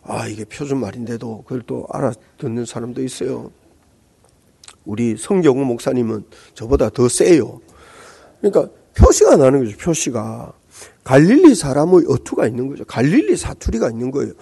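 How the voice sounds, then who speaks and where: A middle-aged male pastor with a Gyeongsang accent, preaching a sermon. He explains scripture, asks the congregation rhetorical questions and pauses on hesitant fillers. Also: medium pitch, big pitch swings, gravelly, mellow, breathy edge. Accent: Gyeongsang Korean.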